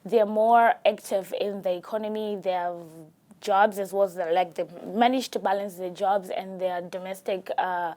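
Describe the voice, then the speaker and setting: Young Zimbabwean woman student, mid-pitched voice, earnest and steady. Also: normal speed. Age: young adult. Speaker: social work student. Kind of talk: interview answers.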